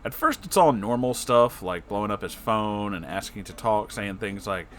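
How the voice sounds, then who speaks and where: A man reading internet stories aloud in an expressive, effusive way, breaking in with casual, emotional asides. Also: lowish voice, normal speed, a little hiss or hum. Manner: emotional, effusive, reactive, profane.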